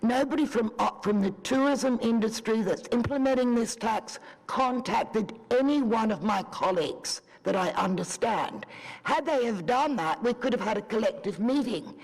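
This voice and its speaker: A woman's voice: on the high side, animated, moderate pace, a little mellow. An older woman with an Australian accent, a bed and breakfast owner giving an earnest public deputation to a city committee. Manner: earnest, persuasive, lists points one by one. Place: city council committee chamber. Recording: reverberant council chamber.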